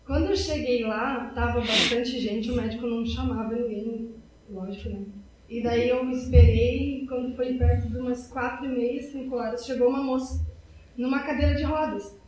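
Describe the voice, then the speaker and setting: A woman's voice: a little high, fairly even intonation, moderate pace, darkish tone, slight background noise, poor audio. A young woman telling an emotional personal testimony in church, retelling a story at length and repeating herself. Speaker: church member giving testimony.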